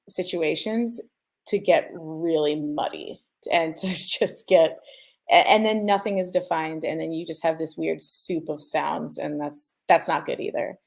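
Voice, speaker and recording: Low, creaky-voiced woman explaining her craft. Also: a little mellow. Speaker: sound designer sharing mixing advice. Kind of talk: informal panel explanation.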